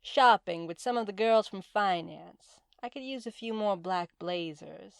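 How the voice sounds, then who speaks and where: A woman playing a stern, imperious Titaness who speaks in a measured, formal, curt way in a fantasy audio drama. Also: medium pitch, creaky, clear, resonant tone. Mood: dry.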